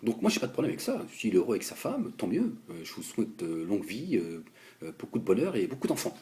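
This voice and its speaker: Young man from France, political commentator, talking in a low voice with big swings in pitch, stop-start and repetitive. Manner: animated, halting, repeats words, addresses the politician directly. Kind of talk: heated political monologue.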